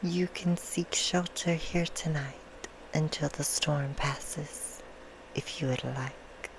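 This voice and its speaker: A woman voicing a seductive, courtly vampire hostess for ASMR, soothing and sinister, in a slow, hushed half-whisper. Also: low voice, fairly even intonation. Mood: soothing, inviting. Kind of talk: ASMR roleplay, bedtime storytelling. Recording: clear background noise.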